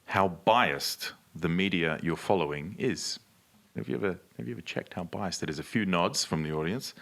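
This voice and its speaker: A man's voice: low-pitched, a bit bright. A man co-hosting a live podcast on stage, speaking like a polished presenter who asks the audience questions. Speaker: podcast co-host. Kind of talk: live podcast panel talk.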